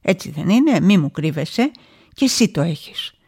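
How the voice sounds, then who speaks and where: A woman hosting her own podcast, delivering a theatrical, emotive monologue that swings between exclamations and hushed asides. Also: fairly low pitch, very animated, breathy edge. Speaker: podcast host.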